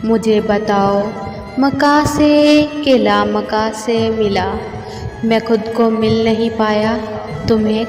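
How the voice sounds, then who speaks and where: Music plays in the background as a woman speaks at a fairly high pitch with ordinary pitch variation. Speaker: voice-over artist. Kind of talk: poetry reading.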